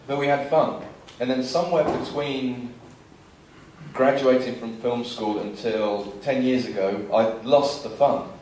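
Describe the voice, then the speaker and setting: A man in his forties speaking as a filmmaker at a seminar, picked up from across a very echoey hall with faint background noise. He tells stories in a lively way and slips into other people's lines as he goes. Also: mid-range voice, slow, distant mic. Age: 40s. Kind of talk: anecdotal seminar talk.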